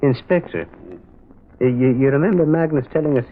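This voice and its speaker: An actor playing a mild priest and amateur detective who muses and gently insists, in old-time radio drama style. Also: male voice, mid-range voice, normal speed, close to an everyday voice. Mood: probing, wry. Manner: hesitant, musing, gently insistent. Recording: noisy, tinny vintage radio recording.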